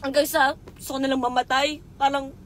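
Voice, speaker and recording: A woman's voice: high voice, level tone, a little fast, a little hiss or hum. A young woman telling a painful personal story straight to someone, emotional and swearing as she speaks. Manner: raw and emotional, swearing, addressing someone directly. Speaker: vlogger. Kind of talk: emotional confessional monologue.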